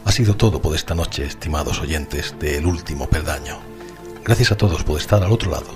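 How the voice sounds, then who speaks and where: A paranormal radio host with a Spain accent. His deep voice delivers scripted lines in a formal, solemn, measured way. Music plays clearly underneath. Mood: solemn, assured. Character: male late-night paranormal radio show host.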